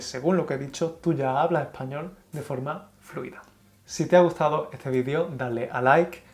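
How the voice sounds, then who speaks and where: A man from Andalusia, speaking with an Andalusian Spanish accent, giving a calm and clearly explained Spanish lesson to learners. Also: on the high side. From Andalusia, Spain. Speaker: Spanish teacher. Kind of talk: scripted online Spanish lesson.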